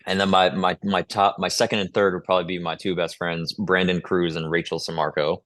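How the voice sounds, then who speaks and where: A man's voice: low-pitched, little pitch movement, brisk, fairly bright tone, dry recording, studio quality. A man in his twenties chatting casually as an interview guest, in informal, slangy speech. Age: 20s. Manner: informal, slangy, peppers talk with "dude" and "like". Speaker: podcast guest, musician.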